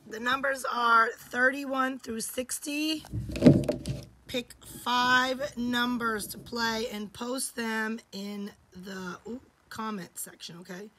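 A woman in her forties hosting a live jewelry sale from a home studio, hoarse from losing her voice and often dropping to a whisper, chatty and affectionate. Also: on the high side, steady tone, slow, noisy background. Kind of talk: live-stream sales chat.

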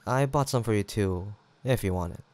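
Low-voiced, easygoing young male roommate played by an actor. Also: normal speed, a little mellow, natural voice. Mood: gentle, shyly caring. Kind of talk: intimate roleplay audio drama, casual chat.

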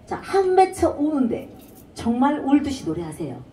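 Far from the mic in an echoey room, a woman with a high voice and big pitch swings leads a trot singing lesson at a moderate pace. She explains breathing and ornaments, sings short lines to demonstrate, and belts brief shouts, with slight background noise present.

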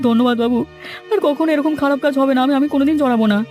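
Very high, whiny schemer. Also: male voice, very fast, darkish tone, soft background music. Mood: frightened pleading. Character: whining, town-educated male schemer, later regretful beggar.

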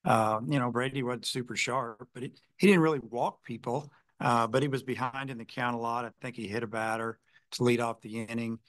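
A man's voice: mid-range voice, fairly even intonation, a little fast, a bit bright. A male baseball head coach answering reporters after a game, rambling with lots of "you know" fillers and restarts. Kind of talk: postgame press conference answers.

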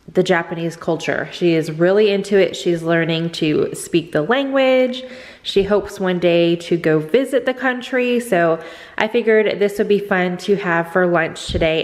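A long reverb tail trails the low-leaning voice of a middle-aged Texas woman leading a casual cooking demonstration at home. She's a cooking vlogger who explains things chattily, one step at a time, saying "go ahead" a lot.

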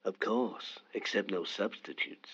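A man's voice: a little slow, fairly bright tone. A man voicing a menacing, teasing masked killer who calls in to a podcast, in an audio play over a muffled line. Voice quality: gravelly, low and menacing.

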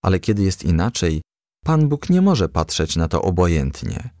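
A man reading a children's story aloud in a gentle storytelling manner. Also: low-pitched, big pitch swings, moderate pace, no echo, clean studio sound. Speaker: audiobook reader.

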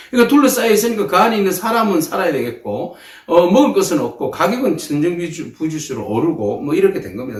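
A male pastor preaches in a fairly high voice, his pitch swinging widely as he acts out the people in the story. He is heard from some distance in a reverberant church room. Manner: animated, voices the king and the women in short quoted bursts. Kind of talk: sermon. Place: church sanctuary.

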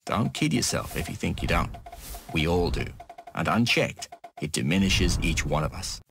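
A man's voice: deep voice, sing-song, moderate pace, creaky, music in the background. A middle-aged Australian man reading scripted narration as a voice-over artist. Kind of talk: scripted corporate and campaign narration.

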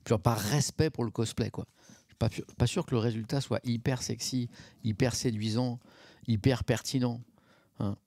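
A man's voice: mid-range voice, fairly even intonation, normal speed, a little mellow, no room sound. A man, chatting casually on a live stream, reacting to chat and mocking himself.

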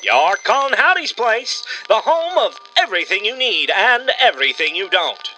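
A man's voice: sits high, big pitch swings, moderate pace, pushed and bright, soft background music, full character voice, rough recording. A man voicing a peppy male cartoon shopkeeper with salesman patter, answering the phone. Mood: brisk, eager.

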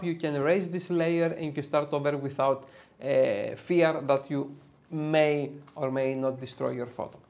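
Man, 30s, Greek accent, slightly high voice, lively step-by-step explaining, lapel mic, home studio. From Greece. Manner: lively, chatty, explains step by step with filler uhs. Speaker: photo editing tutor. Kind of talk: screen-recorded software tutorial. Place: dim home studio, indoors.

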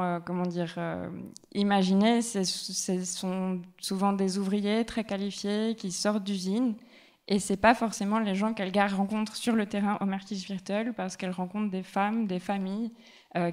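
A woman's voice: mid-range voice, a little mellow. A woman moderating a panel discussion, hesitant, with many filler sounds. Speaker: round-table moderator. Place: public library event room.

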